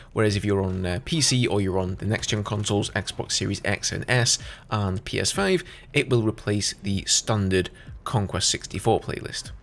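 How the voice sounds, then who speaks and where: A man's voice: on the low side, fairly bright tone, a little hiss or hum. A man giving casual, conversational gaming news commentary as a YouTuber, explaining things as he goes.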